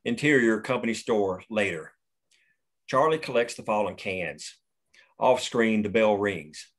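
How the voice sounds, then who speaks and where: Man reading stage directions, low voice. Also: measured pace. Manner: plain, steady reading. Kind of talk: table read of a screenplay.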